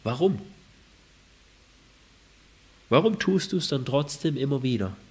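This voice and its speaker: A man's voice: medium pitch, expressive, measured pace. A man preaching a sermon with a cold, reading scripture with rising emphasis and asking rhetorical questions. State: has a cold.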